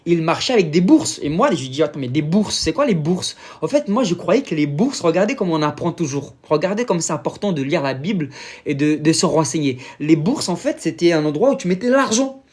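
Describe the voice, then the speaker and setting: A man from Brazil, a native Portuguese speaker with a Brazilian accent, giving an informal sermon in halting French with many fillers and pauses to search for words. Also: fairly high pitch, sing-song, darkish tone. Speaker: preacher.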